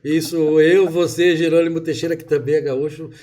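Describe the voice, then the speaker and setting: An author and interviewee from southern Brazil, this man carries a gaúcho accent and a dark-toned voice on the high side, with fairly even intonation and a moderate pace. He rambles emphatically in casual conversation, often restarting.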